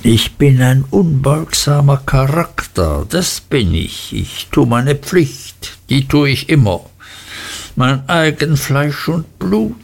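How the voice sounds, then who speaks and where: A man's voice: medium pitch, lively intonation, takes it slowly, creaky, husky, heavily acted. A man voicing a cruel, wrathful schoolmaster in an audiobook, boastful and threatening, with snapping, repetitive phrases. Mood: domineering. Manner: whispering menace, snapping "hä?" tags, repetitive self-important boasts. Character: cruel, wrathful old schoolmaster, menacing and domineering.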